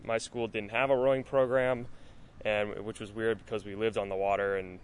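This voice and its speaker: A man's voice: fairly low pitch, normal speed, clear, resonant tone. A young man who rows in college and is from Massachusetts, telling his story in an interview. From Massachusetts, USA. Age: young adult. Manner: steady storytelling with fillers. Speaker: college rower. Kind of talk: interview answers.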